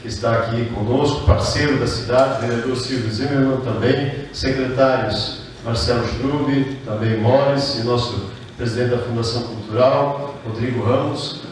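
A middle-aged man delivers a formal speech at a podium, earnest and unhurried, greeting each guest by name. His German-speaking upbringing sits behind his words. The sound is a very echoey hall with the voice picked up from a distance and a faint hiss underneath. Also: medium pitch, steady tone. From southern Brazil. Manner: earnest, greets dignitaries one by one, with fillers. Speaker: mayor. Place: large reverberant hall, indoors. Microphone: podium microphone heard from a distance.

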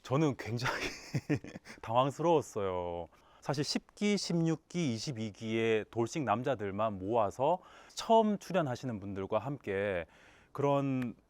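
A man in his late thirties, a dating show contestant, chatting and giving remarks to camera in a polite, formal, halting way. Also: medium pitch, no room sound. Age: late 30s. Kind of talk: casual chat and confessional remarks to camera.

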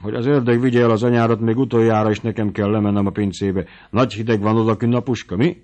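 A man voicing an irascible old country squire who barks orders in shouting tirades. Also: lowish voice, steady tone, natural voice. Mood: gruff. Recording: dull lo-fi audiobook recording.

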